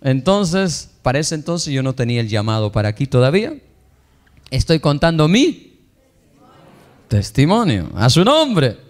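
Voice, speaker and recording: A pastor with a voice on the high side emotionally recounts his personal testimony, acting out the dialogue and calling the congregation brothers. His pitch swings widely, his pace is measured, and he leaves long pauses.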